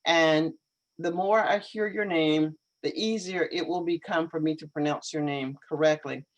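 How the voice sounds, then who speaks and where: A woman hosting a live online English lesson, speaking carefully and encouragingly with clear articulation. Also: deep voice, steady tone, normal speed.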